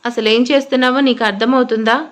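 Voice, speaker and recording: A woman voicing a hot-tempered young husband who shouts angrily. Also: a little high, steady tone, fast talker, lightly acted. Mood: angry.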